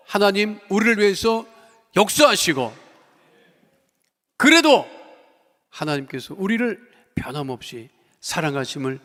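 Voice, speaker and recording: A male pastor preaching and praying fervently, with emphatic declarations that swell loud and fall soft. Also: high-pitched. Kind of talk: sermon and fervent prayer. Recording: long church reverb.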